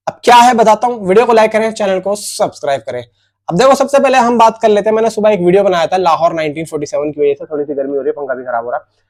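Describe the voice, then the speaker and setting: A man presents film news. He speaks informally, as if chatting with his viewers, often putting questions to them and answering them himself. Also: high-pitched. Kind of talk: casual film news commentary.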